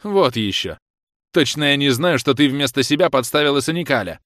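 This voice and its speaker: A man's voice: medium pitch, expressive, fairly quick, a bit bright, no room sound, clean studio sound, pitched above the performer's own voice, natural voice. A man voicing a jealous, furious young man who hurls accusations at his lover in a raised, scornful voice. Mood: angry. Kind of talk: audiobook character reading.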